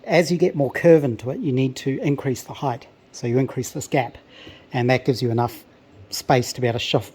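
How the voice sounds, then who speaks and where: A man with a mid-pitched, slightly hoarse voice talks through a job in his home workshop. He sounds a little breathless at times and explains things in a relaxed, unhurried way, full of ums and restarts. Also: a little hiss or hum. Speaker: car restoration vlogger. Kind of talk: casual workshop walkthrough.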